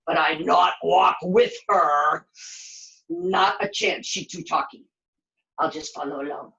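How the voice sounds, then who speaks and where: A woman voicing a gruff, soft-hearted puppet creature who is wary of humans and talks in broken, clipped grammar. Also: lowish voice, big pitch swings, slow pace, reverberant, muffled recording, exaggerated voice. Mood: puzzled, protective. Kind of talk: puppet show character acting.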